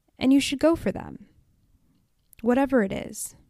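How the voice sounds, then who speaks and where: The recording is very clean, and the background is silent. A woman talks in an animated tone. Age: 20s. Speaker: podcast host. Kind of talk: casual solo monologue.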